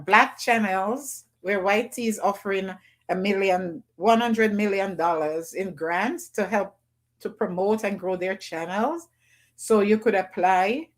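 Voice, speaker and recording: A woman hosting a casual livestream call-in, chatting loosely and greeting viewers by name. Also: mid-range voice. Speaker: livestream host.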